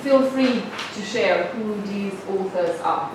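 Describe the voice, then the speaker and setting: A woman from northern Slovenia gives a seminar lecture, pausing often on filler sounds and inviting the audience to answer her questions. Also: medium pitch. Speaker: guest lecturer. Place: lecture room. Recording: very echoey room, mic far off, noisy.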